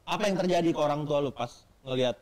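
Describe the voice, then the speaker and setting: Curious male podcast host, slightly high. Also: fast, a little mellow. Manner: curious, probing, chatty Jakarta slang. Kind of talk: casual interview questions.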